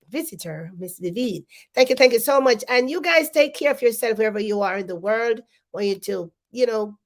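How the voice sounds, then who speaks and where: A middle-aged woman hosting an encouraging self-help talk, sounding stuffy and congested, with many ums and repeated phrases. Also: mid-range voice. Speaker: host. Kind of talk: motivational live-stream talk.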